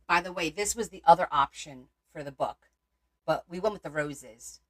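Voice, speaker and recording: A woman's voice: low-pitched, moderate pace. A woman from Portugal hosting a crafting livestream, thinking aloud as she works and answering viewer comments. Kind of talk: casual crafting livestream chat.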